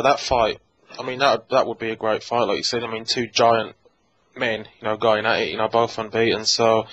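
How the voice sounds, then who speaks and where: A man's voice: medium pitch, a bit bright. A man hosting a casual podcast interview, with a tentative, meandering way of phrasing things. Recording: dull lo-fi call audio.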